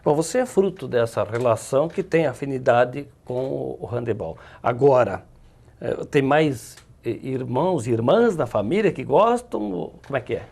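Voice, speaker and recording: A man's voice: medium pitch, lively intonation, normal speed, creaky, a little mellow, slightly rough. A middle-aged Brazilian man hosting a local TV sports interview, opening with formal broadcaster delivery and asking folksy follow-up questions. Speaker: sports show host. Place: TV studio.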